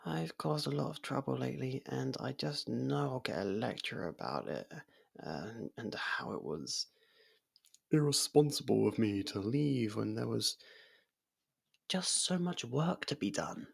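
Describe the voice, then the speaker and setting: A performer voicing a gentle, lovestruck faerie in an intimate ASMR roleplay, breathy and half-whispered, speaking in a hesitant, halting way. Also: medium pitch, animated, heavily acted. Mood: wistful, hesitant. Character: soft-spoken, lovestruck young faerie royal, shy, possessive.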